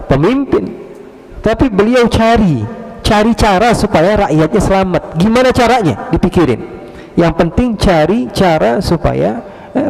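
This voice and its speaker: A male preacher delivers a sermon, telling stories and pausing on rhetorical questions. His voice is gravelly with plenty of fry, and it sits a touch high for a man. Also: a little mellow, rough recording. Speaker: Islamic preacher.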